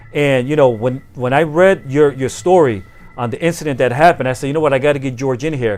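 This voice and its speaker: Very fast speech over noticeable background noise. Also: man, fairly high pitch for a man, ordinary pitch variation. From Puerto Rican heritage. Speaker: interview show host. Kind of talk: interview.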